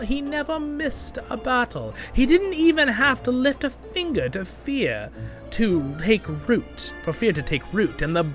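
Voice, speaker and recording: A man acting a grand, high-pitched fantasy storyteller. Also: a bit bright, full character voice. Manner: dramatic, grand, measured. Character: solemn storyteller chronicling fantasy legends of a feared king. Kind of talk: expressive fantasy story reading.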